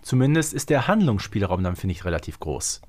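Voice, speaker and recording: A man's voice: fairly low pitch, sing-song, brisk. A man co-hosting a podcast in casual conversation, wry and emphatic in how he makes his points. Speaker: podcast co-host.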